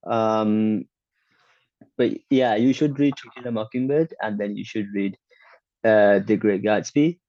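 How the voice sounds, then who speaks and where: A man's voice: lowish voice, measured pace, mellow, no echo. An opinionated young man in a casual chat, telling stories and voicing the people in them. He stammers when he restarts a sentence. The recording is dry and slightly dull. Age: 20s. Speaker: conversation partner.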